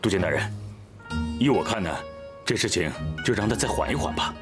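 An actor playing an earnest, modest warrior in a period drama, deferential and politely reluctant. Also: male voice, fairly low pitch, animated, fairly quick, lightly acted. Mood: pleading, deferential. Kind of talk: Chinese period drama acting. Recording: very loud background music.

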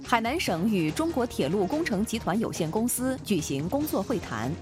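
A woman's voice: medium pitch, sing-song, normal speed, over music. A woman delivering scripted news narration in a formal, precisely enunciated broadcast manner.

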